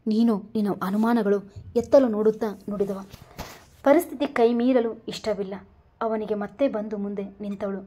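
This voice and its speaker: A woman narrating a romantic story, voicing every character herself and singing some lines slowly. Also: mid-range voice, warm tone. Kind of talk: scripted story narration with voiced dialogue.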